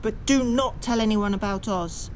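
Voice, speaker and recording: A cautious, stern ruler-witch in an audio play, played by a woman. The voice sits at a medium pitch and stays formal, with faint rumbling noise behind it. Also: moderate pace, darkish tone, lightly acted, low-quality recording.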